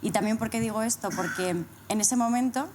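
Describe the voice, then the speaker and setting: A woman's voice: a little high, fairly quick, noisy background. A thirty-year-old woman with a Madrid accent, telling her own story as an interview guest, often posing rhetorical questions. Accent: Spanish (Madrid). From Madrid, Spain. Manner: breaks explanations with rhetorical questions. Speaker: interview guest, corporate communications manager. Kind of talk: casual personal account in interview.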